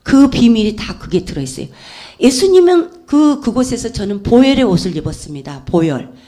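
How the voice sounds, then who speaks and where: A woman's voice: fairly high pitch, big pitch swings, moderate pace. Fervent woman preacher giving testimony. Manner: fervent, swings from loud urging to hushed storytelling. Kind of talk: emotional church testimony sermon.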